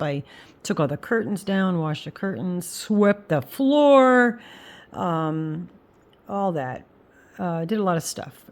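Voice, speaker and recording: Older woman, low voice with whistling s. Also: darkish tone. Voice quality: whistling s through the teeth. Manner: halting, thinking aloud with trailing asides. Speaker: craft vlogger. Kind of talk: casual rambling chat.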